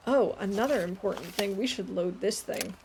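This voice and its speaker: A woman game streamer chatting casually while she plays, her voice at an ordinary middle pitch. She laughs often and answers her chat in a friendly, rambling way, with a faint hum underneath. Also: moderate pace. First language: English.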